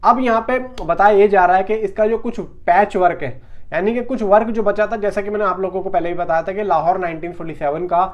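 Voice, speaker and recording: A man's voice: high-pitched, fairly even intonation, a little fast, muffled recording. A man giving casual film news commentary in a conversational, emphatic, repetitive way, talking straight to his viewers.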